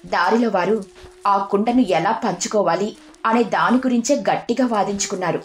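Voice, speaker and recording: A woman's voice: mid-range voice, brisk. A woman reading scripted story narration as the narrator. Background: background music.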